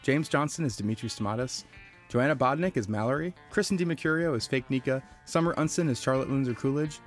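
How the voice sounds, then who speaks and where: Man reading credits quickly. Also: medium pitch. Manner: brisk, even reading of names. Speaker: podcast host reading credits. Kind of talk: read credits.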